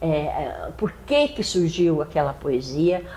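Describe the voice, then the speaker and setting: Noticeable background noise runs under a woman speaking at a fairly slow pace. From interior of São Paulo state, Brazil (Tatuí). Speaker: poet. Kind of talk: interview. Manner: halting, with many fillers and repetitions.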